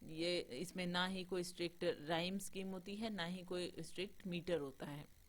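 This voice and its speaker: A woman's voice: fairly low pitch, fairly even intonation, normal speed. A woman teaching an online class on poetic meter, mixing English terms into her explanation, with frequent filler sounds and restarts.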